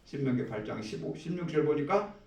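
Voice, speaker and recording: A man preaching a sermon as a pastor, lively, acting out the voices of people in his story. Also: on the high side, a little fast. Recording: echoey room, mic at a distance.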